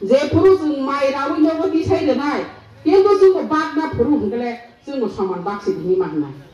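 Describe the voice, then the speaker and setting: Loud and animated in tone, a woman speaks in a high voice with audible room echo. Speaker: rally speaker. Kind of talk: rally speech. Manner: animated, call-and-response with the crowd, loud and fiery. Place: street.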